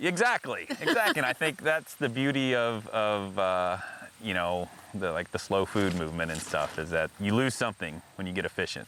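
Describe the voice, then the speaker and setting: A man's plain, everyday voice, fairly low in pitch, with lively intonation and a moderate pace. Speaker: corn farmer. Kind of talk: casual interview talk.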